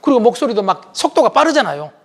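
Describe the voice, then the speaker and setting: A middle-aged man giving a lively public lecture, acting out bits of dialogue and putting questions to the audience. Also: very high voice, fast. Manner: acts out dialogue, quizzes the audience.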